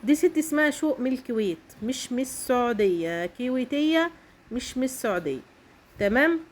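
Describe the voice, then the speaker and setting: Fast-talking Egyptian woman with a cold. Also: high-pitched, animated. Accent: Egyptian Arabic. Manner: emphatic, keeps checking in with "okay?". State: has a cold, coughing. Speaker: vlogger. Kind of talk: casual direct-to-camera monologue.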